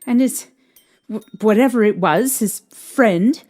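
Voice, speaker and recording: A woman playing a young mother shaken by strange happenings, recalling them in a halting, hesitant way. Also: medium pitch, darkish tone. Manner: hesitant, halting recollection with restarts. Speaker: interviewee recounting events. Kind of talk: fan audio drama acting. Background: faint music.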